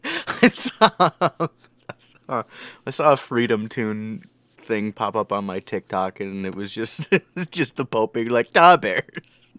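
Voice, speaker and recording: Male reaction host, deep voice, casual, rambling, halting, joking, dry recording. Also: very animated, bright, forceful tone, no echo. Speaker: anime reviewer and reaction host.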